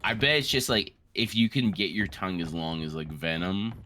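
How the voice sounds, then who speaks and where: A man in his late twenties giving casual, joking game commentary in a crude, rambling, animated way. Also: low voice, moderate pace, slight background noise. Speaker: co-host of a gaming series.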